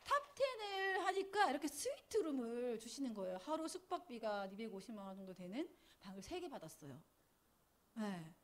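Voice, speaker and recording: A woman in her forties telling lively family stories in a business seminar, acting out what her relatives said. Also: on the high side, moderate pace, slight background noise. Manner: lively storytelling, acts out quoted family voices. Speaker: network marketing speaker. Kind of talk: business seminar talk with slides. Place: seminar hall.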